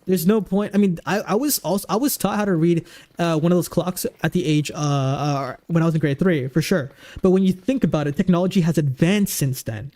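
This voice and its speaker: A man's voice: fairly high pitch, fairly quick, mellow. Goofy rambling streamer guy in his twenties. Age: 20s. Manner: rambling, full of fillers and restarts; goofy, easygoing. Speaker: livestreamer. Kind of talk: casual livestream chat.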